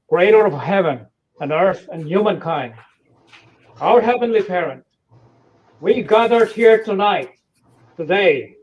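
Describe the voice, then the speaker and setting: A man's voice: sits high, muffled recording. A man, a bishop, leading a solemn spoken prayer at an event over a video call. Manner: slow, solemn. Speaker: bishop giving invocation.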